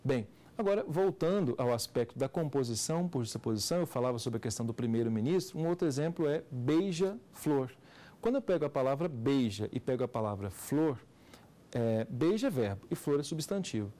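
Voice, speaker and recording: A middle-aged man with a Brazilian Portuguese accent gives a televised law lecture. His voice is mellow and dark, at an ordinary pitch for a man. He explains patiently, pausing on rhetorical questions. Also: expressive. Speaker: law professor.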